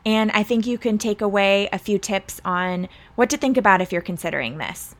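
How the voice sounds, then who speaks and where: A woman's voice: medium pitch, fairly quick. A woman hosting a parenting podcast, reading an upbeat intro and then chatting with her guest. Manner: upbeat and friendly, scripted intro. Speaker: podcast host.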